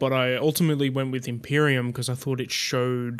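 With an Australian accent, a man talks at a fairly quick pace and a medium pitch. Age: 20s. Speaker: podcast co-host. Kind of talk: casual chat.

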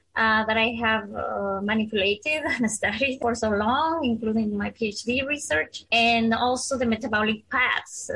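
A woman with a Spanish accent speaks at a moderate pace, her bright, sharp tone set at a fairly high pitch with ordinary pitch variation. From Argentina. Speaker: abstract artist and curator. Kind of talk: interview. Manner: halting.

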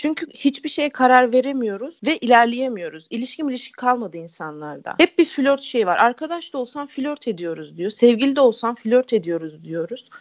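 A high-pitched woman with very wide pitch swings, at a moderate pace and with hardly any pauses. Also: big swings in loudness, quiet background. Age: 20s. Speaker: student, listener guest. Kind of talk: casual chat.

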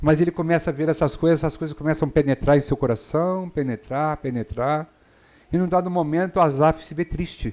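On a very clean recording with a silent background, a man with a normal speaking voice and a fairly high pitch talks at a fairly quick pace with fairly even intonation. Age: 50s. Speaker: guest preacher. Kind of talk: sermon. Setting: church.

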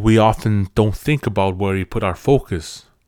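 A man with a Canadian accent speaks with ordinary pitch variation in a very clean recording with a silent background. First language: Cree. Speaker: podcast host, performance coach. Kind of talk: personal storytelling monologue. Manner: hesitant with frequent fillers and repetitions.

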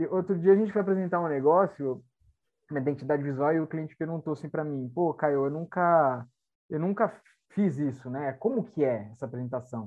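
A man talks in an unremarkable speaking voice. His pitch is fairly high and varies in an ordinary way. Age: 40s. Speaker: creative director, brand designer. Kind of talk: casual interview. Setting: video call.

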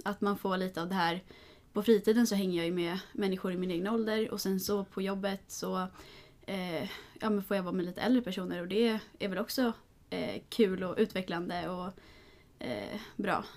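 The speaker is a woman using an ordinary speaking voice. Her medium pitch, moderate pace and fairly even intonation hold throughout. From Stockholm, Sweden. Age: 20s. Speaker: personal trainer and dietetics student. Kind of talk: casual interview.

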